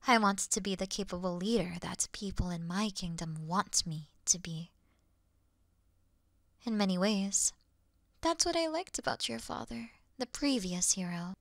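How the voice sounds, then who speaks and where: A woman playing a regal, calm demon queen in a fantasy audio roleplay, speaking in a measured, earnest, soft-spoken way. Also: lowish voice, dry recording, clean studio sound. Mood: calm, respectful. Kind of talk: scripted fantasy audio roleplay addressed to the listener.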